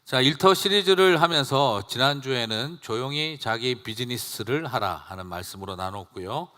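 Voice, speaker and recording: Male pastor, bright tone, conversational sermon with rhetorical questions, church reverb. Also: medium pitch, expressive, normal speed. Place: church sanctuary.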